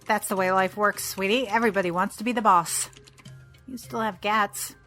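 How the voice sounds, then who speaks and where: An actress playing a sardonic, condescending crime boss in an audio drama with a dry, wry delivery. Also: female voice, mid-range voice, steady tone, normal speed, bright, forceful tone, soft background music, natural voice. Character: cool, sardonic female villainous boss.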